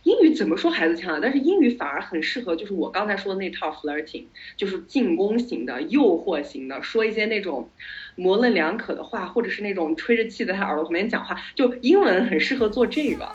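A woman podcast host in a relaxed chat, telling stories with animated energy and slipping English words into her sentences. Her voice sits at a middle pitch. The recording is somewhat muffled and lo-fi. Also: fairly quick. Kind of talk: casual chat. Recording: slightly dull lo-fi audio.

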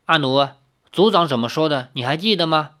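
A man's voice: a little high, expressive, fairly quick, a bit bright. Cold, strict tribal woman enforcer, scolding; male narrator puts her on.

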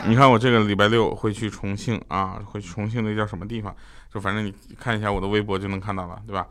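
A man hosting a comedy show, telling funny family stories and acting out his shouting relatives. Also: on the low side, little pitch movement, fast talker, over music. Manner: tells jokes and acts out shouting relatives. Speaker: comedy podcast host. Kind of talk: comic storytelling.

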